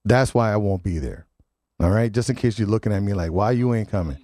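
A man's voice: lowish voice, a little fast, mellow, dry recording. Nasal man hosting radio with a cold. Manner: loose, rambling, joking. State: has a head cold. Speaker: radio show host. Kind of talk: casual community radio chat.

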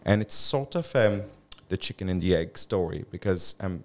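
A man's voice: deep voice, lively intonation, moderate pace. A middle-aged man from Belgium and Syria, a gynecologist guest on a podcast, speaking with many restarts and fillers. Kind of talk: podcast interview.

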